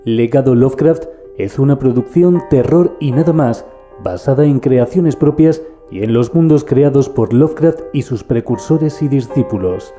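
A man narrates scripted credits for an audio series. His voice is very dark and mellow, at a medium pitch, with faint music underneath. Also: expressive, normal speed. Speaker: credits announcer.

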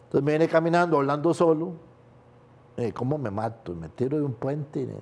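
A man's voice: a little high, normal speed, a little mellow. An older Costa Rican man telling his life story as an interview guest, candid and confessional, often laughing through painful memories. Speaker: guest, sports journalist.

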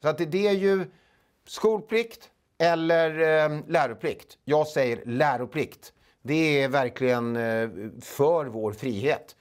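A man in his forties with a Swedish accent, a guest in a studio interview, speaking haltingly with many filler sounds on a lapel mic. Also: a little high, clear, resonant tone. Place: small studio.

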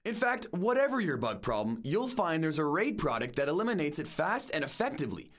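A man voicing a brisk, confident announcer in an advertising voice-over. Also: a little high, very animated, fairly bright tone, voice pushed down.

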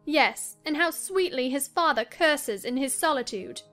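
A woman playing a willful, troubled young gentlewoman in a dramatized audiobook, earnest and dramatic. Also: high voice, animated, unhurried, pitched above the performer's own voice. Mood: wistful, insistent. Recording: music under the voice.

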